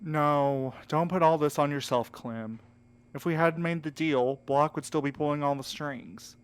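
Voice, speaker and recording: An actor in an audio drama playing an earnest, protective friend, direct and plain-spoken with mild sarcasm. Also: male voice, on the high side, unhurried, smooth, lightly acted. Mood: reassuring. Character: earnest, protective, exasperated male friend and mediator.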